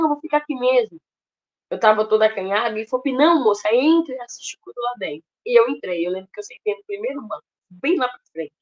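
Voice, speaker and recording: A woman's voice: fairly high pitch, muffled recording. A Brazilian woman telling an emotional personal testimony at a ministry, talking straight to her listeners. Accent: Brazilian Portuguese. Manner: emotional, addresses listeners directly as "gente".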